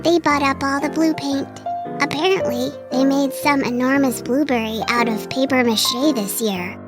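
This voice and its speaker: A woman's voice: sits high, moderate pace, pitched above the performer's own voice, natural voice. A woman voicing an apologetic, chatty forest shopkeeper in a children's story, casual and offhand, with music behind.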